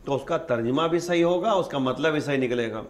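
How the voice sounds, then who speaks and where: A man's voice: mid-range voice, slight background noise. Male religious scholar; patient, step-by-step explainer. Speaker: Islamic scholar. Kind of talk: religious teaching in conversation.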